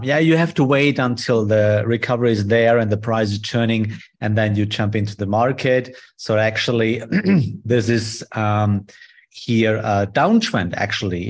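A man from Germany with a German accent, speaking English as a second language. He presents a live online trading session and talks friendly and haltingly through charts, with many fillers, over a video call. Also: medium pitch.

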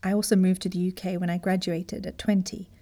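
Mellow-voiced woman business coach from Zimbabwe. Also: on the low side, flat delivery, fairly quick. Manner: earnest, emphatic, direct address. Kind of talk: motivational talk.

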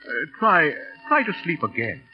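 A kindly doctor in a radio play, tactful and reassuring. His pitch moves freely, and the old broadcast sounds muffled. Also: wildly swooping pitch, normal speed, soft background music. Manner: hesitant, reassuring. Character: tactful, kindly English village doctor, male. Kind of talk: classic radio drama acting.

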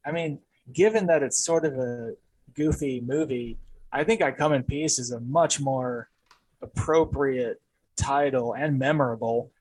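A man's voice: mid-range voice, a little slow, a little mellow, slightly rough, poor audio. A man co-hosting a casual movie podcast, talking in a loose, rambling way with frequent fillers and chuckles. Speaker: podcast co-host. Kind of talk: casual chat.

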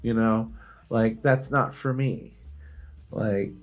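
A middle-aged man talking casually as a podcast co-host, his low voice wandering through filler words and restarts. Faint music plays behind him. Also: steady tone, slow pace, muffled recording. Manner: rambling, many fillers and restarts. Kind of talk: casual comedic chat.

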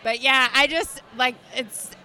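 A woman with a bright, forceful voice, pitched slightly high. She chats casually on a podcast and states her opinions bluntly and with emphasis. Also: measured pace, clear, resonant tone, some chatter behind. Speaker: podcast guest. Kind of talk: casual chat.

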